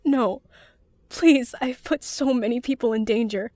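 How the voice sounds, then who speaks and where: A young woman playing an anxious, well-meaning student in an audio drama, earnest and given to halting, stammering speech. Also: fairly high pitch, darkish tone, no room sound, studio quality, natural voice. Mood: upset, apologetic. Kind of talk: audio drama acting, emotional monologue and dialogue.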